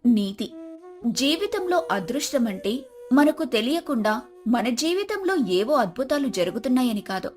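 A woman's voice: fairly high pitch, big pitch swings, unhurried. Woman narrating a moral story over flute music.

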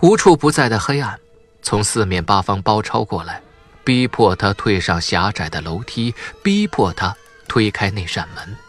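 Low-voiced man narrating suspense, highly animated. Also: normal speed, soft background music. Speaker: audiobook narrator. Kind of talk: dramatic scripted narration of a suspense novel.

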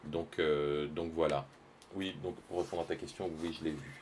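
A man's voice: very deep voice, steady tone, moderate pace, a little mellow, slight background noise. A man, chatting casually and hesitantly with his stream viewers while he draws live, full of fillers and restarts.

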